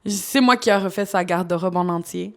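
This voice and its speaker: On a live podcast recorded in a studio, a woman guest with a brisk, lowish voice tells her story candidly and laughs often. She speaks into a podcast microphone in a casual chat.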